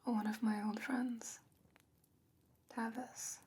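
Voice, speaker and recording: A woman playing a calm, knowing, secretive potion maker in a soft-spoken ASMR fantasy roleplay, whispering slowly and breathily with measured, hesitant pauses. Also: on the high side, breathy edge, full character voice. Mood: guarded, reminiscing.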